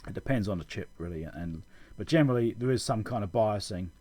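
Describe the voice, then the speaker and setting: A man with a husky, fairly low voice talks through a technical explanation. His tone is soft-edged and relaxed, and his delivery is informal, like someone thinking aloud while he teaches. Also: brisk. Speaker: electronics repair video host. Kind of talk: casual technical tutorial over schematics.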